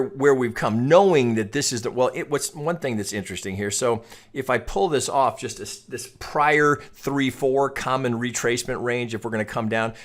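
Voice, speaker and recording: A man's voice: medium pitch, a bit bright. Male market analyst, mid-range voice, talking through charts off the cuff in a blunt, opinionated, conversational way. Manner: conversational, opinionated, casually profane, often checking with "right?". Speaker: trading educator and market analyst. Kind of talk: informal screen-share chart commentary.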